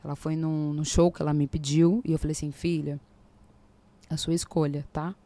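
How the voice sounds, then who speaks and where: A Brazilian woman in her forties, a podcast guest, telling a faith testimony in lively casual talk and acting out the dialogue. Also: low-pitched, fairly quick. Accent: Brazilian Portuguese. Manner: animated storyteller, acts out quoted dialogue.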